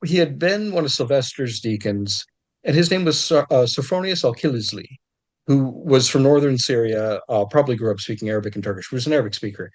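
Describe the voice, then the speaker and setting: A man talks as a historian guest in an unscripted conversation. His explanations are detailed and scholarly. He often restarts phrases, and his pitch jumps up when he stresses a point. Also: expressive, fairly quick.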